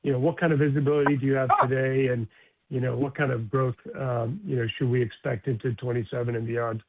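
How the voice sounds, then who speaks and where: A man's voice: medium pitch, level tone, fast, no echo. A man asking questions as an analyst on an earnings call, polite and hesitant in his phrasing. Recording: dry, narrow phone line.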